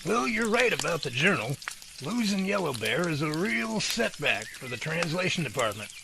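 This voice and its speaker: A man acts out a calm, folksy Bigfoot researcher in an amateur drama. His voice is creaky and sits a little high. He speaks in measured, homespun speeches over clearly audible noise. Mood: reassuring.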